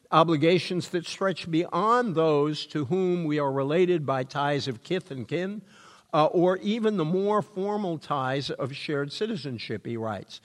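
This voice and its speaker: A man from New England whose first language is French, reading a prepared lecture at a measured pace with frequent ums and uhs. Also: fairly high pitch. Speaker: speaker giving a public lecture. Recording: long hall reverb.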